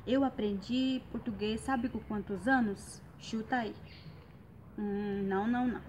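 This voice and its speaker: Mulher falando devagar, sotaque guarani. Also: female voice, on the high side, steady tone, darkish tone, slight background noise. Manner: slow, repeats each phrase, frequent hesitations. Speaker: language teacher. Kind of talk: casual online language lesson.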